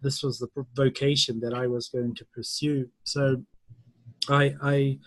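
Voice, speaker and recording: A middle-aged man from New Zealand, a university English teacher, answering interview questions slowly and thoughtfully, with many pauses. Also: mid-range voice, little pitch movement, no echo, poor audio.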